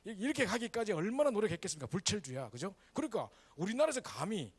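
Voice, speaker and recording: Pastor guy, preaching quick, voice bouncing up and down, keeps asking the crowd "right?". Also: high voice, husky. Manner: lively, animated preaching with frequent "그죠?" asides to the congregation. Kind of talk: sermon. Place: church sanctuary.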